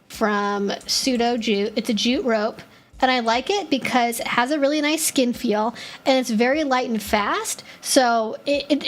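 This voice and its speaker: A woman hosting a casual live-stream Q&A, answering viewer questions in a chatty way, with lots of filler words as she thinks aloud. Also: fairly high pitch.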